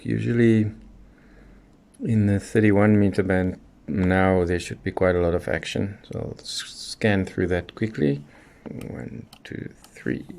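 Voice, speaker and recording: A man giving a casual, unscripted demonstration as a hobby reviewer, thinking aloud in an unhurried way as he handles the item. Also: lowish voice, vocal fry, a little mellow.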